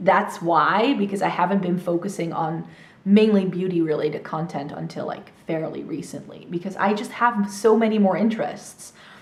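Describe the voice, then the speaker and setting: A medium-pitched woman's voice with a Dutch accent and ordinary pitch variation at a moderate pace, with audible room echo. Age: 30s. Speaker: beauty YouTuber and English teacher. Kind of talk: casual chat, Q&A while doing makeup. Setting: home, in front of bookcases.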